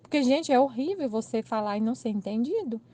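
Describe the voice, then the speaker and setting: Speaking briskly, this woman channel host with a Brazilian accent shares a casual, animated story of an ordinary mix-up. Her pitch sits slightly high, and she laughs along while voicing what the others said.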